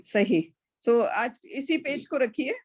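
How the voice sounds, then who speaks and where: A woman teaching an online class, casual and chatty, mixing English phrases into her speech and often checking in with her students. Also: on the high side. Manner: casual, chatty, mixes English into speech, keeps asking "right?". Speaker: Quran and Arabic teacher.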